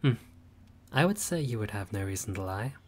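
A man voicing a friendly low-voiced vampire. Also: expressive, fairly quick, a little mellow. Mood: wry. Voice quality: low voice, dry teasing humor, grandly theatrical at times. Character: friendly, laid-back male vampire host, playful. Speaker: roleplay audio performer. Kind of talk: scripted roleplay audio.

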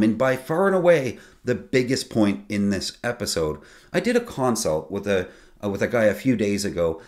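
A man in his forties hosting a sailing channel, explaining boat technicalities to camera in a casual, conversational way from a small home studio. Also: mid-range voice. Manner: lively, conversational, explains technical detail plainly.

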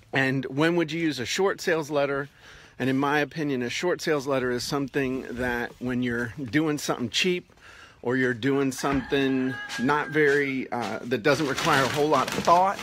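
A man's voice: mid-range voice, background noise. A man in his fifties giving blunt, plain-spoken advice in a casual vlog, recorded outdoors on a phone held at arm's length. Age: 50s. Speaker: vlog host, online marketing advisor. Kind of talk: casual talk to camera while doing chores. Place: outdoors in a rural backyard by sheds.

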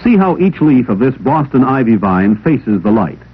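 Male narrator for vintage classroom science film: medium pitch, expressive rise and fall, didactic read, thin phone-like 16mm sound. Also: moderate pace, a little hiss or hum. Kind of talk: scripted instructional narration, 1950s classroom film. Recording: old 16mm film soundtrack, narrow telephone-like band.

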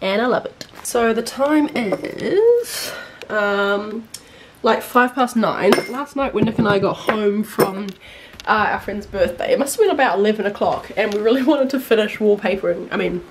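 A woman's voice: medium pitch, animated, moderate pace, slight background noise, low-quality recording. A woman in her twenties with a New Zealand accent, chatting informally as a vlogger, with "like" sprinkled through her talk. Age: 20s. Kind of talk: casual chatty vlog to camera. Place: rooms at home. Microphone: handheld camera at arm's length.

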